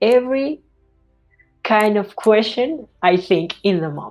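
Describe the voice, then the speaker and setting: With music in the background, a woman speaks with a Venezuelan accent at a medium pitch and ordinary pitch variation. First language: Spanish. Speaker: graphic designer. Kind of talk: interview. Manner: halting, with repetitions and fillers.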